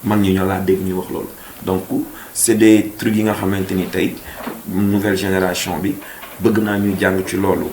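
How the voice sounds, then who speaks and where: A man's voice: low-pitched, level tone, moderate pace, darkish tone. A man, a singer, talks earnestly as an interview guest, switching between French and Wolof. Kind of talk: casual interview chat. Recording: echoey room with faint noise.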